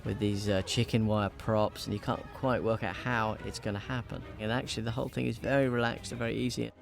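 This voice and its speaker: A man's voice: fairly low pitch, steady tone, brisk, vocal fry, music in the background. A man, an actor, describing the motion capture set in a matter-of-fact way.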